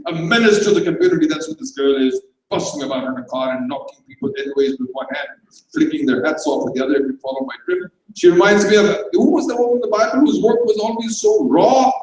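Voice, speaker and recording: A man's voice: high-pitched, animated, fast, a little mellow, voice pushed up. A man voicing an indignant elderly aristocrat in a staged reading, huffing and theatrical. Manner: pompous, huffing, theatrical outrage. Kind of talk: dramatized live reading. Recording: echoey hall, voice from far off.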